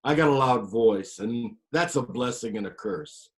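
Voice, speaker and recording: A man performing a one-man play as a grieving older farmer grandfather, telling stories in a quiet, subdued voice. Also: mid-range voice, unhurried, natural voice. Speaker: actor.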